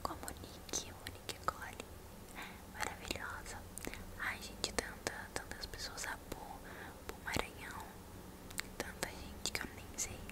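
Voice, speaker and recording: A woman's voice: measured pace, rough recording. A young woman with a São Paulo Brazilian accent speaks in an intimate ASMR whisper, casually answering viewers' questions close to the microphone in a small room. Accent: Brazilian, São Paulo state. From São Paulo state, Brazil. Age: young adult. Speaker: ASMR video creator and host. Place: small bedroom indoors. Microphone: large microphone right at the mouth.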